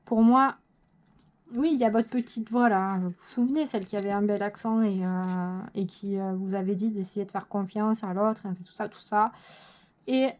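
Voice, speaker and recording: A woman giving a casual monthly tarot horoscope reading, chatty, excitable and quick to poke fun at herself. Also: medium pitch. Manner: chatty, self-mocking, excitable. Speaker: tarot reader.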